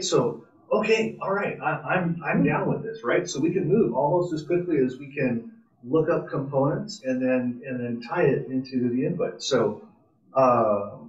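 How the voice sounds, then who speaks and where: A man's voice: medium pitch, animated, normal speed. Distant, echoey man teaching coding informally. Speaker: presenter at a robotics club meetup. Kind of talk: informal live coding tutorial. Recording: distant, roomy, muffled meeting-room sound.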